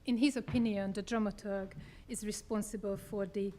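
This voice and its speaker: Woman, public talk, warm mellow tone, measured and hesitant, handheld mic. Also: medium pitch, steady tone, a little hiss or hum. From Hungary. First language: Hungarian. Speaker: dramaturg presenting her book. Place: theater event space. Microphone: handheld microphone.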